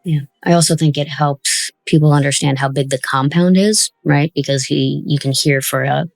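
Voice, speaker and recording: A woman's voice: low-pitched, fairly even intonation, moderate pace, gravelly, dry recording. A woman hosting a casual commentary on an audio drama, chatty and reflective as the show's creator.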